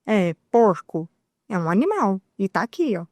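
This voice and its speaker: A woman with a Brazilian Portuguese accent, a talk show guest, explaining lively and demonstrating examples as she talks. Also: medium pitch, moderate pace, no room sound. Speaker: guest, sign language interpreter.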